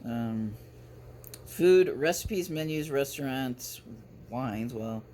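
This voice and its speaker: Clear ambient noise sits behind a man with a mid-pitched voice. He talks like a casual vlogger at home with the camera, rambling along and often breaking off to correct himself. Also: lively intonation, takes it slowly, darkish tone. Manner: rambling, self-interrupting. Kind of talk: casual chatty vlog with some reading aloud.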